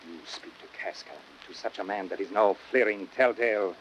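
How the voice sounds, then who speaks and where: A man's voice: fairly low pitch, a little fast, dull audio, natural voice. A man playing a blunt, confident Roman conspirator and courtier in emphatic, declamatory Shakespearean style. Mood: resolute. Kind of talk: classic Shakespearean radio acting. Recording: noisy old audiodrama record.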